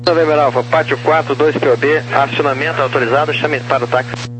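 A man gives air traffic control instructions at great speed. His medium-pitched voice comes through crackly military-style radio with clear hum and noise. The wording is terse and standardised. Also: fairly even intonation, fast talker, a bit bright. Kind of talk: clipped aviation radio phraseology. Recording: noisy humming aviation radio.

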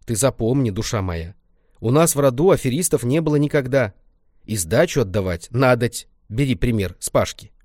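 A man voicing a gruff but loving old village grandmother who shouts and scolds in folksy speech. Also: mid-range voice, animated, moderate pace, no room sound, studio quality, close to an everyday voice. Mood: softened chiding.

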